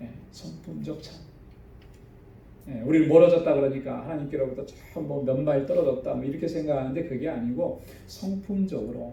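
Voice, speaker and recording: A man at a fairly quick pace with long, frequent pauses and big swings in loudness, amid audible room echo and noticeable background noise. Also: fairly high pitch for a man, ordinary pitch variation. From South Korea. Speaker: pastor. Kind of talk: sermon. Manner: conversational, asks rhetorical questions.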